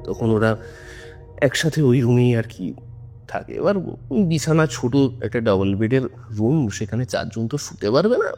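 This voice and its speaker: A man's voice: medium pitch, lively intonation, normal speed, darkish tone. A man telling a story in an informal, conversational and suspenseful way, as on a ghost story podcast. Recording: music under the voice. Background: background music.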